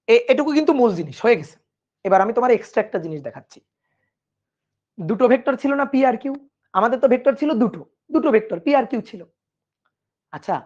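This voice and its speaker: A man teaching a physics lesson online, talking casually and often checking whether his students follow. At times he drops to a hushed voice. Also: high voice, dull audio. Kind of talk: online class lecture.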